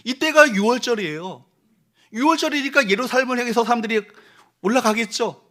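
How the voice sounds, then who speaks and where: The voice is extremely high, a bit bright, and fairly quick: a male pastor giving an emphatic Sunday sermon in a church sanctuary. He leads the congregation in reading verses aloud and peppers them with rhetorical questions.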